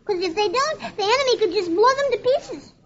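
A woman playing an eager, excitable little girl who pesters the host with breathless questions. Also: very high voice, brisk. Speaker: host's young sidekick. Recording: dull old radio recording with crowd.

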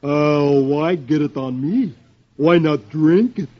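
A man's voice: fairly high pitch, takes it slowly, music in the background. A man voicing a dim-witted young male army private who copies his buddy, with a dopey drawl, on an old lo-fi radio broadcast.

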